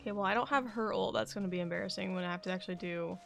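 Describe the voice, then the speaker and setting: Creaky-voiced young woman streaming a game. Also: medium pitch, racing, a bit bright, slight background noise. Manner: rambling, thinking aloud. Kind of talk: casual live gameplay commentary. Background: game music.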